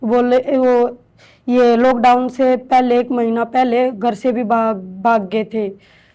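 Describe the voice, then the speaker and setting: A woman in her thirties slowly recounting her own story with halting restarts, as an interviewee in a shelter home. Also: fairly high pitch, little pitch movement, mellow. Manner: halting, slow, hesitant with restarts. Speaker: interviewee, domestic violence survivor. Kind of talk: emotional personal testimony.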